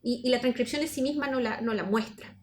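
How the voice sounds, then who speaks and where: A woman's voice: a little high, fairly quick, a little mellow, a little hiss or hum. A woman researcher giving an academic seminar talk, explaining her method step by step and thinking aloud as she goes. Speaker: university researcher presenting at a seminar.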